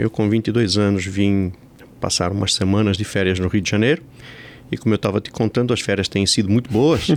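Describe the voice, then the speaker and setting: Noticeable background noise fills the clip. The speech moves at a fairly quick pace. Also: man. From Portugal. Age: 50s. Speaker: financial educator. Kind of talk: casual interview chat.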